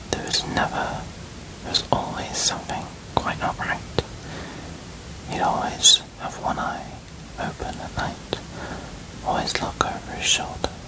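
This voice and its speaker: A man whispers at a fairly slow pace with long, frequent pauses over noticeable background noise. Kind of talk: ASMR scary story telling. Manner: slow, calm storytelling.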